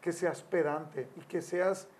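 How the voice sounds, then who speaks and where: A man's voice: on the high side, steady tone, slow pace, a little mellow. A man in his sixties, a family counselor, giving Christian teaching on parenting in a storytelling way. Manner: storytelling, acts out quotes with raised voice.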